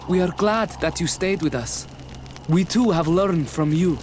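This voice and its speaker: A man's voice: a little high, a little slow, darkish tone, slight background noise, close to an everyday voice. A man acting a gracious, formal tribal village host in a video game.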